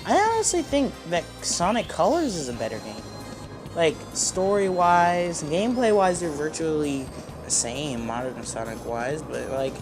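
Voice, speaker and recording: A man giving casual, rambling and opinionated commentary on a video game as he plays. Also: on the high side. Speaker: gaming video host. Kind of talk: casual let's play commentary. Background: game music.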